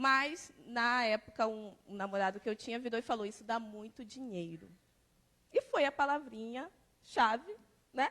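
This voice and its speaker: Big swings in loudness from a woman with a Rio de Janeiro accent, fairly high in pitch, bright and sharp in tone, with ordinary pitch variation. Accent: carioca. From Rio de Janeiro, Brazil. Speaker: technology professional and speaker. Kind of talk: lecture. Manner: casual, animated storytelling.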